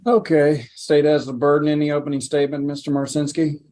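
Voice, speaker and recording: A man's voice: on the high side, level tone, brisk, mellow. A man speaking as a judge in a courtroom recording, running a hearing with short procedural questions and prompts. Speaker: judge presiding over a hearing.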